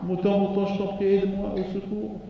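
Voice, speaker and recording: A man voicing a frightened little female mouse who begs the other animals for help in a high, pleading voice. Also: completely flat delivery, brisk, gravelly, slight background noise. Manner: high, pleading, panicky cries. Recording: echoey hall from far off, dull.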